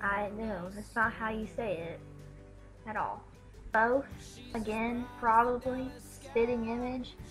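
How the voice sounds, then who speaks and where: Over music in the background, a woman with an American accent speaks very slowly at a fairly high pitch with fairly even intonation. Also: big swings in loudness. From Texas, USA. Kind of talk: casual talk to camera.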